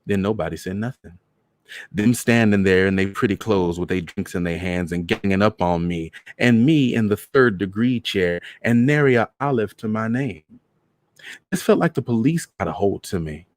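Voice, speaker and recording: A man reading a first-person short story aloud in an expressive, colloquial vernacular style. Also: on the low side, moderate pace, no room sound. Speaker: host, story reader.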